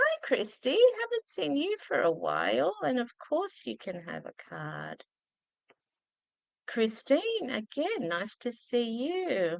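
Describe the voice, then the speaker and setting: A woman speaks at a very slow pace with a warm tone. The sound is dry and close, without echo. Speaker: oracle card reader. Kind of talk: live stream card reading. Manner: warm, chatty.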